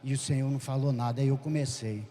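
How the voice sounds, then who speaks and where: A man giving a testimony at a church meeting, telling his story with lively quoted dialogue and fervent feeling. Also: mid-range voice, fast talker. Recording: long hall reverb.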